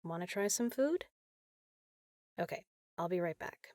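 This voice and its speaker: A woman playing a caring, teasing big sister in an intimate comfort roleplay, talking softly and casually. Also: lowish voice, animated, a little slow. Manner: soft, soothing, casual, playful.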